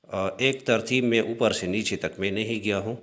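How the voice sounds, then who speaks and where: A man teaching a language lesson slowly, hesitating often and clearing his throat. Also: lowish voice, fairly even intonation. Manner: slow, repetitive, with frequent hesitations. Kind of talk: screen-share language lesson.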